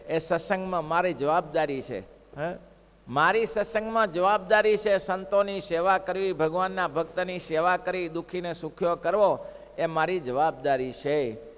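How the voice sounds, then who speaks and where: A male preacher tells a devotional story with emphasis, repeating lines and asking rhetorical questions. His voice sits a bit high for a man. It echoes with a long reverb through a large hall. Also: fairly bright tone, smooth. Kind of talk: sermon storytelling.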